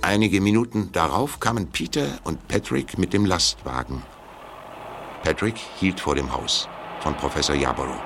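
A man playing a wry, measured storyteller, narrating a scripted mystery audio drama. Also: sits low, animated. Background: music.

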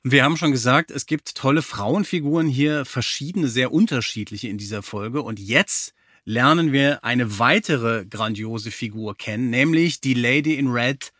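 A man's voice: mid-range voice, normal speed, fairly bright tone, no echo, studio quality. A man hosting a podcast in a casual interview style. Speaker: podcast host.

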